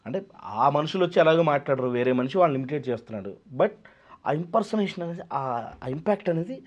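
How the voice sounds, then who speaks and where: Mimicry artist guy in an interview, bit higher voice, animated storytelling, dull lo-fi sound. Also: quick pace. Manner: animated storyteller, mixes English phrases. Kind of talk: interview guest chat.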